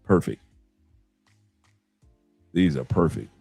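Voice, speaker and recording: Male livestream host, low relaxed delivery, conversational shout-outs to viewers. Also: slow pace, creaky, breathy edge, no echo, faint music behind.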